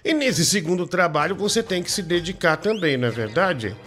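A man's voice: sits high, expressive, fairly quick, fairly bright tone. A man hosting a comic radio show with a Brazilian accent, teasing and mocking in repetitive banter. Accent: Brazilian Portuguese. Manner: mocking, teasing, repeats himself. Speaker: host. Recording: music playing behind the voice.

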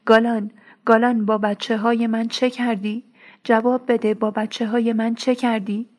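A woman's voice: medium pitch, little pitch movement, gravelly, darkish tone. A woman reading the lines of a proud old tribal father in his grief, pleading and anguished.

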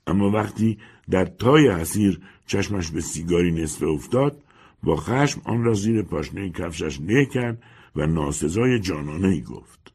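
Male audiobook narrator, very deep and animated, literary reading. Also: vocal fry, husky. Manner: expressive storyteller.

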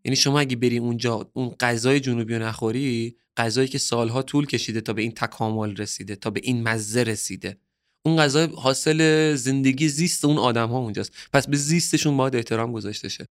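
A man from Bushehr in southern Iran talks as a podcast guest in a loose, conversational way. He is earnest and opinionated, and his delivery gets heated at times. His voice sits at a middle pitch.

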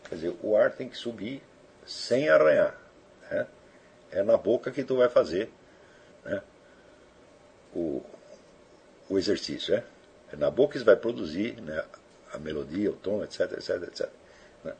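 Husky guy lecturing, keeps asking "right?" after everything, voice swings up and down a lot. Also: fairly low pitch, animated, moderate pace, pauses often, darkish tone. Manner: keeps tagging sentences with checking questions. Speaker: teacher answering listener questions. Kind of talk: informal spoken lecture.

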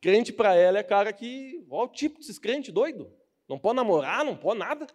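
A man's voice: high voice, darkish tone. A young man with a Brazilian Portuguese accent giving a casual, joking youth sermon as a preacher, acting out the people he quotes.

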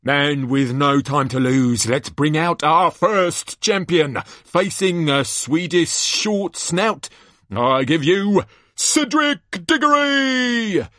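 A man voicing a bombastic sports announcer from a storybook, a booming showman with drawn-out theatrical calls. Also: animated, fairly bright tone, no room sound, clean studio sound. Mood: excited, dramatic. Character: bombastic male sports announcer hyping a tournament.

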